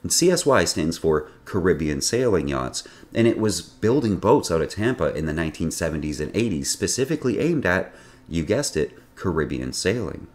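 Guy in his 40s narrating a sailing vlog from his home office, low voice that bounces around a lot, chatty and wry. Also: moderate pace. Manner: lively, chatty delivery with wry asides. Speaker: sailing channel host. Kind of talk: scripted video narration.

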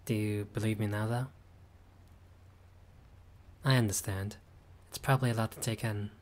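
Dude as a chill friendly vampire, kinda low voice, playful showoff. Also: male voice, steady tone, moderate pace. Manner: warm, chatty, playful. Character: friendly, showy young male vampire host. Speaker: audio roleplay performer. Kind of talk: scripted roleplay audio.

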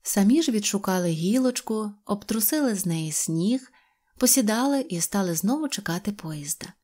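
A woman reading an audio fairy tale in an expressive storytelling manner. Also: medium pitch, moderate pace. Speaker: narrator.

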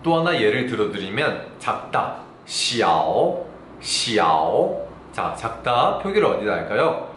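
A young man from South Korea teaching a Chinese lesson, patiently explaining and drawing out sample syllables slowly and loudly. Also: mid-range voice, big pitch swings, reverberant, a little hiss or hum. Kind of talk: online language lesson.

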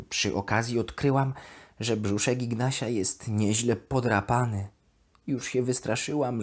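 A woman's voice: extremely low pitch, breathy edge, exaggerated voice. A woman voicing a chatty, devoted plush toy duck, expressively confiding her diary in a children's bedtime audio story.

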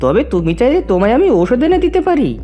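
A woman's voice: a little high, wildly swooping pitch, brisk, warm tone, faint music behind. A woman voicing a sly, scheming cartoon fox who feigns sweet concern in a wheedling way. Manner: wheedling, falsely sympathetic. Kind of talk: children's cartoon voice acting.

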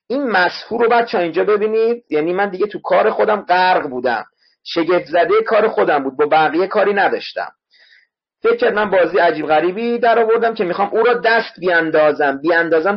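A man's voice: fairly high pitch, slightly rough. A male literature teacher giving an online class lecture, explaining words one at a time and repeating spellings for his students. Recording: dull lo-fi online class audio.

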